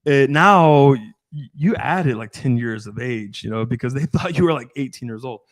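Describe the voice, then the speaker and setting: A man's voice: medium pitch, lively intonation, moderate pace, no room sound. A man in his thirties with a mid-range voice rambles through a casual podcast chat as a dating coach. He swears freely and keeps restarting his sentences. The sound is dry and close. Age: 30s. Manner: rambling, profane, restarts often.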